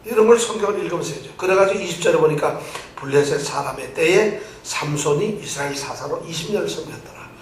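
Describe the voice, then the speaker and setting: A male pastor delivers an animated sermon, firing questions at his congregation and repeating phrases until they answer back. His voice sits high for a man. It is picked up by a distant mic in an echoing church sanctuary with faint room ambience behind. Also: fast talker, few pauses, slight background noise.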